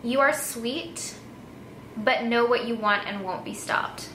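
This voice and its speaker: Bright-voiced young American woman, echoey room. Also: a little high, slow pace. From Texas, United States. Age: young adult. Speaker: vlogger. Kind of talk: casual chat, answering viewer assumptions. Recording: echoey room with faint background noise.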